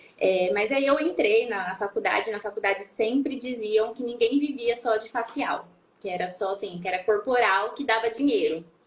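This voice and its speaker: Noticeable background noise sits under speech at a moderate pace with hardly any pauses and ordinary pitch variation. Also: woman, fairly high pitch for a woman. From interior of São Paulo state, Brazil (Fernandópolis). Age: 30s. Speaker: aesthetician. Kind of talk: interview. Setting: Instagram live.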